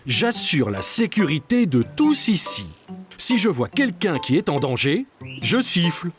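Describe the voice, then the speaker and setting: An actor voicing a friendly, encouraging young lifeguard in a cartoon. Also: male voice, fairly high pitch, sing-song, a little slow, over music.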